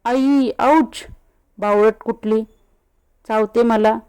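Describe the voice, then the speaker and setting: Stuck-up tipsy young woman, a lady doing her, snappy, smooth and kinda high. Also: a little slow, mellow, close to an everyday voice. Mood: angry. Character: haughty drunk young woman, snobbish and quick-tempered.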